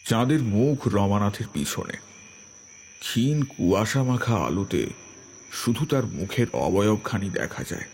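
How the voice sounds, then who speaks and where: A man narrating a scripted horror story in a slow, measured, atmospheric way. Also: on the low side, animated, darkish tone, a little hiss or hum.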